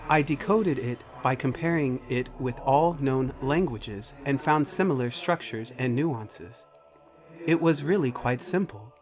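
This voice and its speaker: A man voicing a calm, analytical female alien computer in an audio story, speaking formally and precisely over music. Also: mid-range voice, measured pace, close to an everyday voice. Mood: calm, matter-of-fact.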